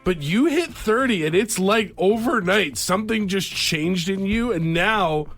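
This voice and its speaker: A man's voice: high-pitched, lively intonation, a little slow, fairly bright tone, faint music behind. A man co-hosting a morning show, bantering casually with wry, joking exaggeration. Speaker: radio podcast co-host.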